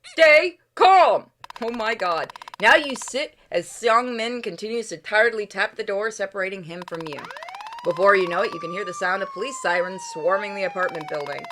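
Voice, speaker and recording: A woman hosting a gaming playthrough, switching between casual chat and expressive, theatrical read-aloud of the story text. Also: mid-range voice, a little fast, slight background noise. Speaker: gaming video host reading game text aloud. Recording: music playing behind the voice.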